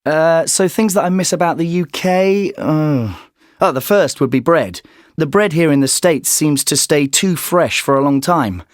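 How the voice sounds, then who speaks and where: A British man speaking in a relaxed, hesitant way with fillers for a listening exercise. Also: on the high side, measured pace, no echo, studio quality. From Britain.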